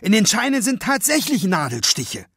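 A strict male bank cashier presses with careful questions, as a male reader puts him on. His voice is firm and moves freely in pitch. The sound is close and dry. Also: big pitch swings, normal speed, fairly bright tone, breathy edge, dry recording, full character voice.

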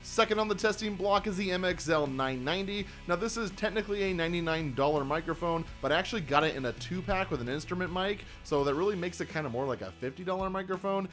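A man's voice: sits high, fast talker, few pauses, fairly bright tone, faint music behind. A man in his thirties giving a casual, self-deprecating product review. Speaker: reviewer and host. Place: small indoor home studio.

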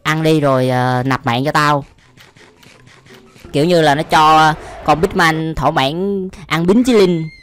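A man's voice: a little high, steady tone, a little slow, a bit bright, slight background noise. Southern Vietnamese man doing exclamatory reaction commentary. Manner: slangy, frequent exclamations and laughter. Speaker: reaction video host. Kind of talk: casual, exclamatory reaction commentary over animation.

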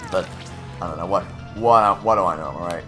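A young man with a low, slightly raspy voice talks through a kart race in casual let's-play commentary. He rambles, breaks off and restarts his sentences. Game music plays clearly underneath. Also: normal speed. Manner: rambling, with frequent restarts and self-corrections.

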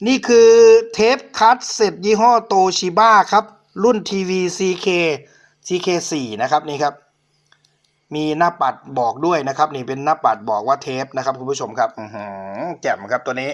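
A middle-aged host with an expressive mid-range voice, speaking at normal speed, politely walks viewers through an old cassette player he's selling. The relaxed demo has him addressing his audience over and over.

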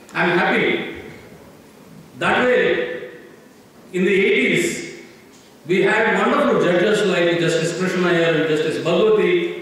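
A man's voice: high-pitched, a bit bright. A man in his forties with an Indian English accent, a law professor giving an emphatic public lecture from a podium, repeating words as he restarts his sentences. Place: large indoor hall, standing at a podium. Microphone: podium microphone, picked up from a distance. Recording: echoey hall, distant mic, faint noise.

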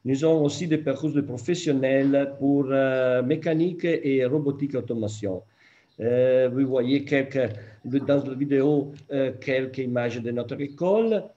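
A middle-aged man with a foreign, Italian accent in French, native in Italian, speaking haltingly as a school principal giving thanks on a video call. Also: medium pitch, warm tone. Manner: halting, hesitant French with self-corrections. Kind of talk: thank-you speech at an online meeting. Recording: dull video-call audio.

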